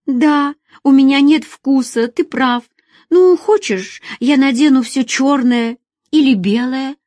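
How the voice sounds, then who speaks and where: A woman's voice: sits high, takes it slowly, mellow, no room sound, voice pushed up. A woman voicing a desperate former lover, who pleads in a weepy, trembling voice, as in an audiobook. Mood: pleading.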